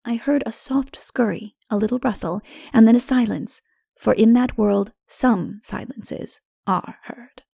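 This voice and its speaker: Female audiobook narrator, heavy vocal fry, highish pitch, measured dramatic delivery, close dry sound. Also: mellow, no room sound. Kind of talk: dramatic literary narration of dark fantasy.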